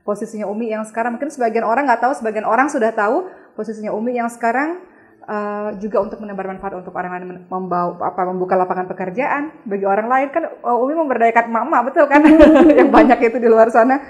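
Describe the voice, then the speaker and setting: A woman's voice: on the high side, quick pace. Attentive woman interviewer. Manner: attentive, frequent soft backchannels, summarizing for viewers. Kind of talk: conversational interview.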